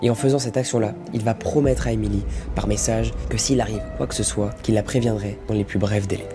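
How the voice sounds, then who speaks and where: Fairly quick male speech over background music. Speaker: horror storyteller YouTuber. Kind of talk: storytelling narration. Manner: casual.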